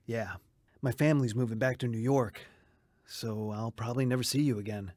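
An earnest Christian man played by an actor gently urges a friend in a radio drama. His voice is medium in pitch and very dry. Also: steady tone, fairly quick, dry recording, close to an everyday voice. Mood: gentle, sincere.

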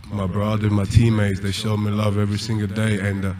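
A man's voice: fairly low pitch, completely flat delivery, fairly quick, darkish tone. A young man and college basketball player giving heartfelt postgame answers, searching for words and repeating himself, into a table mic. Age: young adult. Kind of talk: postgame press conference answers. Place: press conference room.

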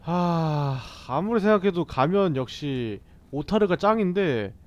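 A man's voice: fairly high pitch, lively intonation, a little slow. A man giving casual let's-play commentary as a gaming streamer, joking and bantering with the characters on screen, recorded on a dull lo-fi mic.

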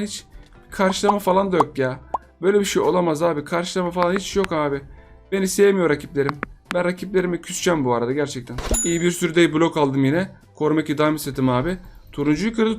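A man giving playful gameplay commentary for his channel, chatty and laughing often as he talks straight to his viewers. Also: on the high side. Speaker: gaming channel host.

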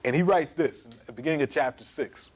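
A man in his thirties giving an emphatic, animated history lecture to camera in a small studio. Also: fairly high pitch, fast talker. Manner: animated, emphatic, gesturing while pacing.

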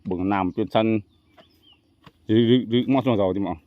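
A man's voice: lowish voice, brisk, dry recording. Guy vlogging out in the fields, dry muffled mic, animals in the background, chatty. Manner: chatty, addresses viewers as brothers and sisters, laughs easily. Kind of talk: casual outdoor fishing vlog. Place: outdoors in rural fields. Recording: muffled lo-fi outdoor audio.

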